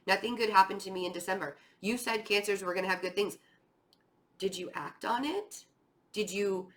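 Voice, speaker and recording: With a medium-pitched, bright voice and a forceful tone, a woman leads an online tarot reading. She keeps it conversational and rambling, offering encouragement directly to the listener, and there's a hint of tiredness creeping into her voice.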